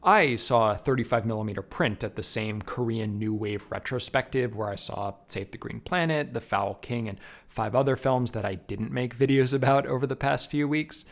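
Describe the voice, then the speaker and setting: A man's voice: mid-range voice, normal speed. A man narrating a scripted video review in a wry, conversational way, with emphatic asides and casual swearing. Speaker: film reviewer and video essayist.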